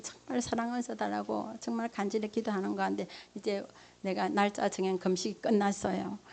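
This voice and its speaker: A woman's voice: mid-range voice, creaky, a little mellow. A middle-aged woman, a pastor's wife, giving an emotional sermon testimony and acting out her own prayers and conversations.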